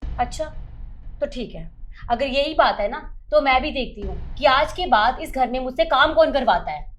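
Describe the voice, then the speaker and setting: A woman's voice: high voice, lively intonation, normal speed, fairly bright tone. An actress playing a young daughter-in-law who stands up to her in-laws in a family drama. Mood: defiant. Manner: pleading then defiant. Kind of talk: Hindi family drama acting.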